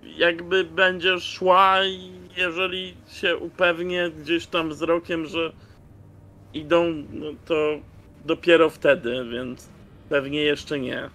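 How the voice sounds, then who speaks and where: Slow, bright-voiced male player. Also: on the high side, flat delivery. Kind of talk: casual tabletop roleplay talk.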